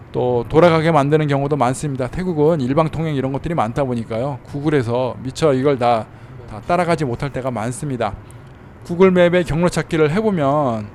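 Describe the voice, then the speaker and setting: A man's voice: mid-range voice, a little mellow, a little hiss or hum. Chatty man talking from the road. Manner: chatty, slows down to spell out pronunciations. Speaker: travel vlogger in Thailand. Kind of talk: casual explanatory talk. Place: inside a car while driving.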